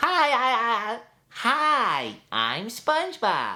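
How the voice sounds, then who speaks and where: A put-on character voice pitched fairly high. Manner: cheerful.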